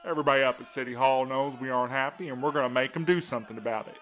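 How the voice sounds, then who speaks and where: A man's voice: medium pitch, steady tone, rapid-fire, a bit bright, lightly acted. A man playing a large, aggressive protester in an audio drama, confrontational and coarse. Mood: hostile, aggressive. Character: large aggressive hostile male protester, bullying townsman.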